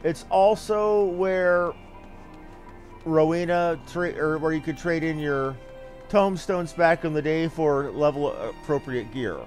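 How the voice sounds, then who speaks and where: A man's voice: on the high side, takes it slowly, faint music behind. A man giving casual gameplay commentary as a streamer, with crude, salty asides. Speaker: game streamer.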